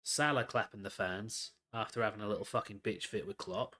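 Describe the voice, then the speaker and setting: A man with a fairly low, sharp-toned voice talks briskly as he hosts a live football watchalong. He calls the play and rants bluntly with plenty of swearing.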